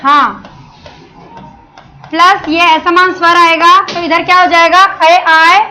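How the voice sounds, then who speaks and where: A woman's voice: very high-pitched, steady tone, takes it slowly, pushed and bright. A woman teaching Hindi grammar to a class with a Rajasthani Hindi accent, explaining step by step, mixing in English words and asking questions she answers herself. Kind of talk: classroom lesson.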